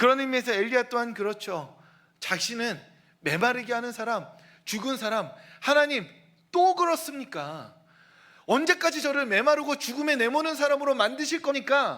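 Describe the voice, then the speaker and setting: A raised, projected voice with an animated tone and lively intonation, bright and sharp, broken by long, frequent pauses, on a very clean recording with a silent background. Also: man, extremely high pitch for a man, moderate pace. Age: 40s. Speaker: pastor. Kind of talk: sermon. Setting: church.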